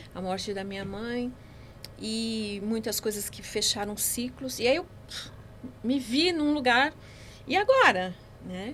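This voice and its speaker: This woman's fairly high voice moves at a fairly slow pace. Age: 60s. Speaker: clinical psychologist and spiritual therapist. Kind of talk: testimony. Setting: podcast recording.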